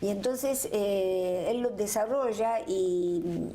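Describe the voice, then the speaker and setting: A woman's voice: medium pitch, slow, dark tone, a little hiss or hum, poor audio. Encouraging female interviewer. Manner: encouraging, affirming, hesitant fillers. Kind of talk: interview conversation.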